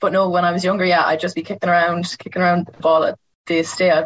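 In an Irish Midlands accent, a woman talks at a very fast pace. Her medium-pitched voice has monotone, flat intonation. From Ireland, County Roscommon. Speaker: footballer. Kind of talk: interview.

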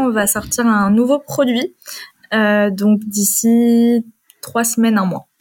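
Fairly high in pitch, a woman speaks at a fairly slow pace. Her intonation stays fairly even. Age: 20s. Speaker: student and start-up founder. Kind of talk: interview conversation. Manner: hesitant, many fillers.

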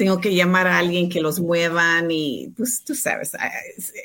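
This woman's voice sits at a medium pitch. She speaks at a moderate pace. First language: English (speaking Spanish). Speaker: events producer. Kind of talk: interview. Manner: halting.

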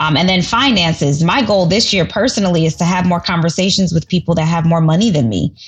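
A woman with a fairly low voice talks at a very fast pace. Her loudness stays very even, and her pitch varies in an ordinary way. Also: hardly any pauses. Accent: New York. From US, New York (Bronx). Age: 30s. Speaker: life and confidence coach. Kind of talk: podcast interview.

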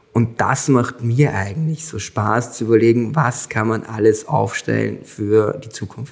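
Hardly pausing at all, a man talks at a medium pitch with ordinary pitch variation in a plain, everyday voice. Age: 30s. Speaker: agency founder and CEO. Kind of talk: interview. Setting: video call.

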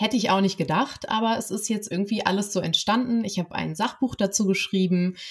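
Her voice is somewhat breathy and medium in pitch as this woman moves at a fairly quick pace with hardly any pauses. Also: ordinary pitch variation. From western Germany, Aachen. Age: 30s. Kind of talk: casual chat.

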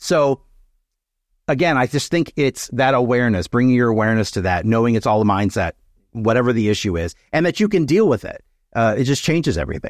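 Lively in intonation and fairly quick, a man with an unremarkable speaking voice at medium pitch comes through in a very clean, dry, close recording with a silent background and no echo. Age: 40s. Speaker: mind power speaker and mentalist. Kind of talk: interview.

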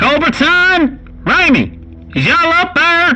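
Someone shouts fairly slowly in a put-on character voice. Background noise is clearly heard. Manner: shouting.

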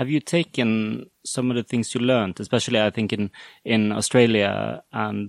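Dry and close with no echo, the sound carries a man's unremarkable speaking voice at a fairly low pitch. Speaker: interviewer. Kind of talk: casual interview.

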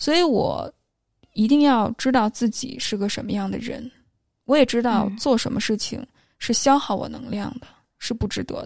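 A high-pitched woman's voice at a moderate pace, with big swings in loudness and ordinary pitch variation. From northern China. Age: 20s. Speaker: relationship coach and podcaster. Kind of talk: casual interview conversation. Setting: live-streamed podcast.

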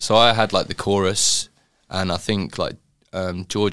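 A man speaks with an Essex accent at a fairly low pitch. His intonation is monotone and flat. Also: very clean recording, silent background. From Essex, Chelmsford. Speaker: band musician. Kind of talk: casual chat.

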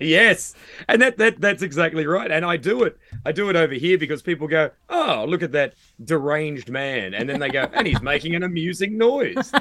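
A man with a strong Australian accent talks fairly quickly at a fairly high pitch, his tone bright and sharp and his intonation lively. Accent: broad Australian. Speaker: comedian. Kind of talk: casual chat.

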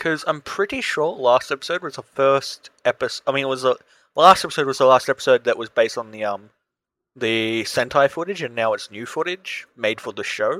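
A man at a fairly quick pace, with a dry, close sound and no echo. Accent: strong Australian. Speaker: podcast co-host. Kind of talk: casual chat.

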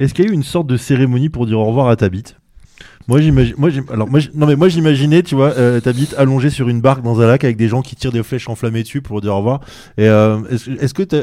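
Speaking at a very fast pace, a man with a medium-pitched, dark, mellow tone uses ordinary pitch variation. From French provinces. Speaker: podcast host. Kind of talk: casual interview. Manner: halting.

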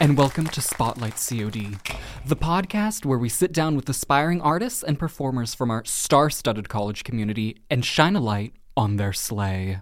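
At a moderate pace, this man with an unremarkable speaking voice uses lively intonation. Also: medium pitch for a man. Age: 20s. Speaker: student podcast host. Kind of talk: casual interview chat.

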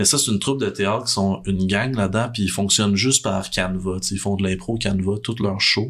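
A man with a normal speaking voice talks at a fairly quick pace. His pitch varies in an ordinary way, and his loudness stays very even. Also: fairly low pitch for a man, hardly any pauses. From Quebec City area, Quebec. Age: 30s. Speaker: actor and comedian. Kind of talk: casual chat.

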